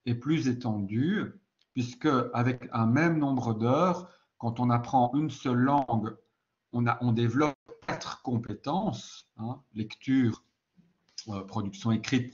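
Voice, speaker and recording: A Belgian man with a Belgian French accent presents at a conference, his pitch sitting in an ordinary middle range. He explains patiently and often pauses on "euh" or restarts a phrase. The sound is a little dull and lo-fi. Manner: explanatory, frequent "euh" hesitations and self-corrections. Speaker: university lecturer presenting a textbook.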